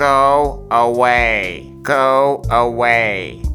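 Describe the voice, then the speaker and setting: Clear music plays behind a put-on character voice pitched low-to-middle. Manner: grumpy, dismissive.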